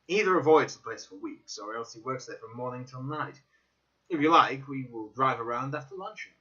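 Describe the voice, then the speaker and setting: Man playing a wry, animated gentleman companion. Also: mid-range voice, brisk. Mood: helpful. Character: Stamford, cautious, wry young gentleman companion. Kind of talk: dramatic audiobook reading. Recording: dull lo-fi recording.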